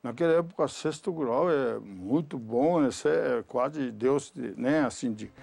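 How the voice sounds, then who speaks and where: An older man from Japan speaking Portuguese with a Japanese accent, talking haltingly with many fillers in a documentary interview. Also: mid-range voice, creaky, a little mellow. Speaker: retired judo champion.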